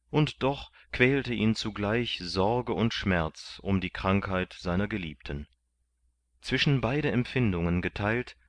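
A man reading a classic novel aloud as narrator, measured and deliberate, voicing the characters. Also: fairly low pitch. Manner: slow, measured, puts on voices for characters. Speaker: audiobook narrator. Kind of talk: scripted literary narration.

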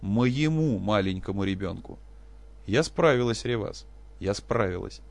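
A man voicing a grieving, vengeful woman who speaks in an even, cutting voice. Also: lowish voice, unhurried, vocal fry, no echo. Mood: cold.

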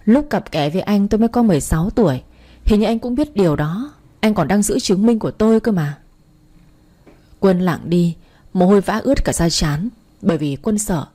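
A woman's voice: medium pitch, expressive, fairly quick, warm tone. A woman reading a dramatic first-person story as narrator.

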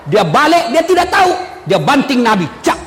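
A man preaching a humorous sermon, acting out characters and shouting punchlines. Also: very high-pitched, big pitch swings, moderate pace. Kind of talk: humorous sermon to a live audience. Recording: hall reverb, faint noise.

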